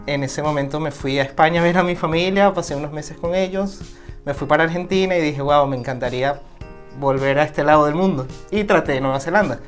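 A man, a guest telling his own story in a relaxed, reflective way in a small office. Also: on the high side, a little fast, soft background music. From Venezuela. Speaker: interview guest. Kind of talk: casual personal account.

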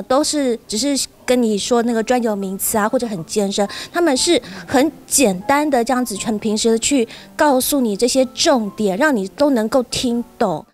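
Taiwanese mandarin woman, middle aged, slightly high voice, casual interview. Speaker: workshop student being interviewed. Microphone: handheld reporter microphone.

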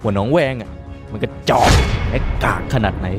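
A man voicing a gloating young male gang turncoat with mocking, drawn-out taunts in rough street slang. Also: fairly low pitch, music in the background, voice pushed down, natural voice.

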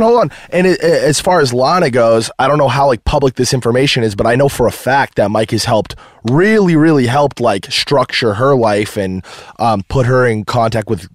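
A man's voice: medium pitch, no echo, studio quality. Defensive man in a podcast chat. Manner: interrupting, defensive, swearing.

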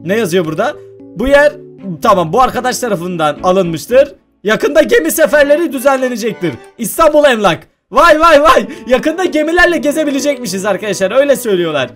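A young man giving playful gameplay commentary for his video, laughing a lot and shouting when something startles him. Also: very high voice, animated, brisk, soft background music. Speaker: gaming video creator.

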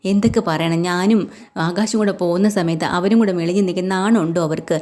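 Woman voicing a cross young wife, complains hard, low soft tone. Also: steady tone, a little fast, lightly acted. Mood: indignant. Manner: indignant, complaining. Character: young wife, angry and resentful.

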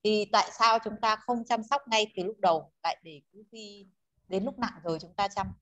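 A woman's voice: medium pitch, normal speed, a bit bright, rough recording. Earnest woman MC on a video call. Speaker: MC of an online meeting. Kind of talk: casual discussion on a video call. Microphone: webcam microphone on a video call.

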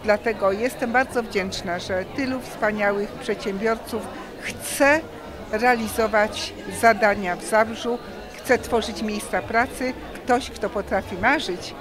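A middle-aged woman official giving an earnest, measured statement into a TV mic. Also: mid-range voice. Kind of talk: formal statement. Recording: crowd noise behind.

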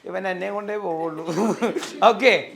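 High-voiced animated Malayali teacher. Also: male voice, a little slow, creaky. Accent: Malayali English. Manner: animated, quizzes students with repeated "yes or no?". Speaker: spoken English teacher. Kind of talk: classroom lesson with acted examples.

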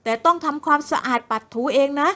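A woman's voice: high voice, fast, fairly bright tone, pitched above the performer's own voice. A woman voicing a loyal, protective male friend who speaks bluntly. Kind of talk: audiobook character voice.

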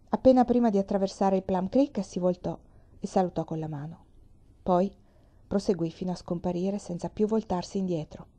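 A woman reading a children's novel aloud with calm, measured storytelling. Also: medium pitch.

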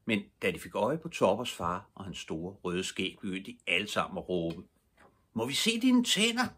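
Older man, low husky voice. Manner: calm, gentle. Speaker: storyteller. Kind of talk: bedtime storybook reading.

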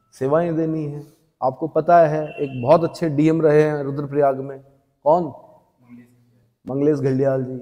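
A male teacher from Uttarakhand with a local Hindi accent gives an exam revision lecture. He asks his students a question, answers it himself and slowly repeats the key terms so they stick. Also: fairly high pitch, warm tone. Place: classroom or coaching room. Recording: long hall reverb.

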